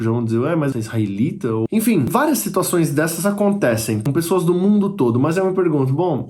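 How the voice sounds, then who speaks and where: A man with a Brazilian Portuguese accent talking earnestly to camera in a conversational, reflective monologue. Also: a little high. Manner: conversational, earnest, animated asides. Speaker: vlogger.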